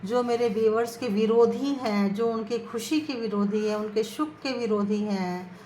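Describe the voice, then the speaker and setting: A woman's voice: fairly high pitch, a little slow, dark tone, roomy sound, slight background noise, low-quality recording. A woman hosting a casual tarot reading for her viewers, talking in a chatty, coaxing way and checking in with them often. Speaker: tarot reader, channel host.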